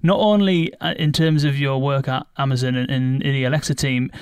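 A man's voice: medium pitch, steady tone, brisk, clear, resonant tone, dry recording. A British man hosting a podcast, chatty and playful as he welcomes his guests. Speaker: podcast host. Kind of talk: casual interview chat.

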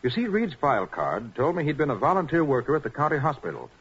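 An actor playing a quick-witted, commanding American private detective in a 1940s radio crime drama, brisk and self-assured. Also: male voice, medium pitch, wildly swooping pitch, a bit bright, slight background noise. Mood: explaining. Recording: muffled, dull vintage 1940s radio recording.

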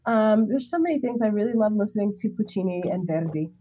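A woman's voice: mid-range voice, lively intonation, fast, warm tone, dull audio, a little hiss or hum. A woman with a big voice, a singer chatting in an interview, hesitant with many fillers and laughs, a little sick. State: sick, not warmed up. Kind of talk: casual interview chat.

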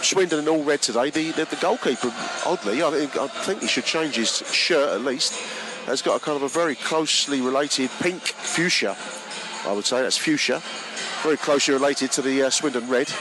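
A man's voice: medium pitch, fairly quick, rough recording. A man with a head cold, sounding nasal and bunged up, chatting casually to his listeners from the stands of an outdoor football stadium. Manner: chatty, rambling asides to the listener. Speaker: podcast host and fan commentator. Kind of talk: casual matchday commentary from the stands.

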